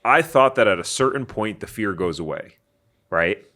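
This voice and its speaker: A man's voice: fairly low pitch, animated, normal speed, pushed and bright. A man hosting a podcast, asking questions in a hesitant way and reframing them as he goes. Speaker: podcast host. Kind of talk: casual interview questions.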